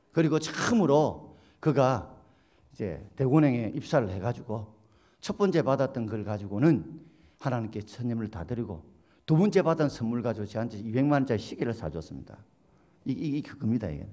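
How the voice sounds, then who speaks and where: Pastor, man in his fifties, expressive sermon storyteller, very lively pitch. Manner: animated storytelling, acts out quoted voices with big pitch leaps.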